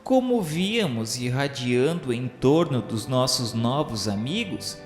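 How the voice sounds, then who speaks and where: Male audio-novel narrator, Brazilian accent. Slow, formal, earnest delivery in deep reverb. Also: expressive. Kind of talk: dramatized literary narration, formal and solemn. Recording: echoey hall reverb with music behind. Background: music.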